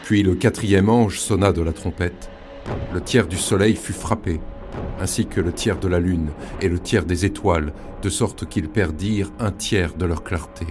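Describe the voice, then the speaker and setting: A man playing a grave reader of apocalyptic scripture, delivering it in a solemn, deliberate dramatic style. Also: low-pitched, lightly acted. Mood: solemn, ominous. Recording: prominent music under the voice. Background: music.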